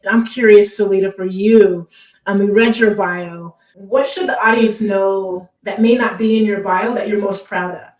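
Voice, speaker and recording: A woman's voice: medium pitch, steady tone, moderate pace. Affirming woman host, echoey room. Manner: affirming, upbeat, conversational with tag questions. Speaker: podcast host. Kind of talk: casual interview chat.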